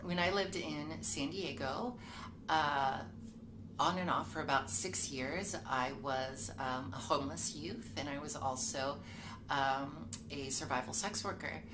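Amid noticeable background noise, a woman with a very deep, low voice speaks very slowly, her pitch swinging very widely. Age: 20s. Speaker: activist and community health worker. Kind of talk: personal testimony to camera. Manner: hesitant, many fillers. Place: home room. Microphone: webcam.

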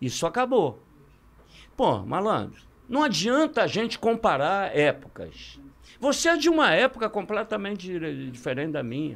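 At a moderate pace broken by long, frequent pauses, a man speaks at a high pitch with very wide pitch swings. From Rio de Janeiro state, Brazil (Paraíba do Sul, then Nova Iguaçu); Rio de Janeiro state, Brazil. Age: 70s. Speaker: former footballer and commentator; commentator. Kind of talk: casual chat. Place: studio. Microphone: studio mic.

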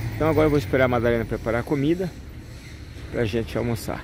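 A man's very fast speech with ordinary pitch variation, dry with no echo, over noticeable background noise. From Brazil. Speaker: travel vlogger. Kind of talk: travel vlog narration. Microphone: phone near.

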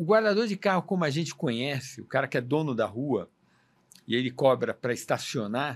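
Very wide swings in pitch from a man speaking fairly high. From Brazil. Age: 60s. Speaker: economist; guest. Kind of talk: interview. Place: studio. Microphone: studio mic.

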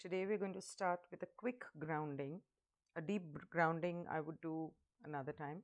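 This woman has a normal speaking voice, pitched fairly low, with ordinary pitch variation. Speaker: meditation guide and tarot reader. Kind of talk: guided meditation. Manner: slow, calm, soothing; gently instructive, steady.

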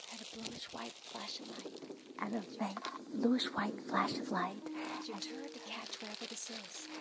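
Loud background noise surrounds a woman speaking at a fairly slow pace. Her fairly high voice makes very wide pitch swings. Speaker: ASMR hypnosis and sleep story narrator. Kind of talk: sleep story hypnosis reading. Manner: whispered, soft-spoken. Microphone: studio mic.

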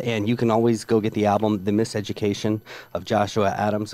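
The speaker has an American accent and keeps a moderate pace. Music plays in the background. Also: man. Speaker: podcast co-host. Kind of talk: casual chat. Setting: studio.

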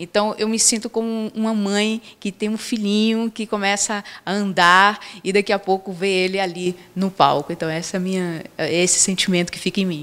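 A woman is talking at a moderate pace. Her intonation is fairly even. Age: 20s. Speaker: actress and acting teacher; actress guest. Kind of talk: TV talk show interview. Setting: studio. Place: studio. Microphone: handheld.

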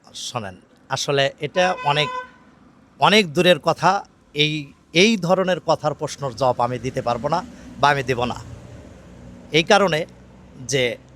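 With noticeable background noise behind him, a man speaks at a fairly high pitch with lively intonation. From Bangladesh, Kazipur, Sirajganj. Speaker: parliamentary candidate and businessman. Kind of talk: interview. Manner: halting.

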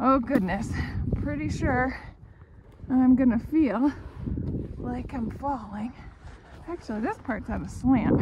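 A very slow delivery with ordinary pitch variation, a dry sound with no echo and noticeable background noise. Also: woman. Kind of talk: casual vlog chat. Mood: nervous, excited. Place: open country. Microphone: phone near.

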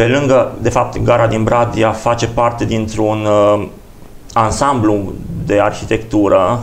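At a very slow pace, a man speaks in a monotone, flat delivery with very even loudness. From Romania, Brad (Hunedoara county); Hunedoara, Romania. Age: 40s. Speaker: local politician. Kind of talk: TV interview. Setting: studio. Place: studio. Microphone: lapel.

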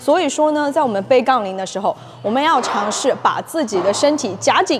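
Background music accompanies a woman's speech. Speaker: gym trainer. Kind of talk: interview answer / tutorial. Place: gym.

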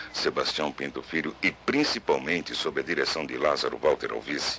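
Noticeable background noise runs under this clip. A man speaks at a moderate pace. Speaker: radio announcer. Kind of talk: interview answer. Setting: radio studio.

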